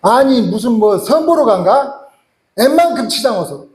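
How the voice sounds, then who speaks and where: A man's voice: sits high, lively intonation, moderate pace, reverberant. A man preaching who plays a nagging older mother-in-law hurrying the family off to church.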